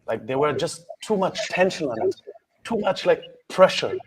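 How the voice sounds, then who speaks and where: A man's voice: a little high, sing-song, normal speed, noisy background. A man from Greece, a talk show guest speaking frankly and reflectively in loose, blunt phrasing. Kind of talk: candid conversational interview answer.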